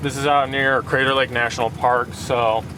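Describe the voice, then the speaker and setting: With noticeable background noise and audible room echo, a man speaks at a medium pitch with fairly even intonation. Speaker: vlogger. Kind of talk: vlog narration. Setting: outdoors, in a truck. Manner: loud; shaky.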